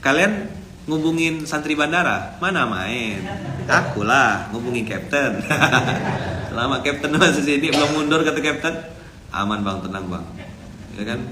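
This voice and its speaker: A man's voice: a little high, lively intonation, moderate pace, crowd noise. A man preaching a casual, chatty sermon as an ustadz, telling stories and acting out dialogue. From Indonesia. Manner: chatty, storytelling, acts out dialogue. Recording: echoey room with faint ambience.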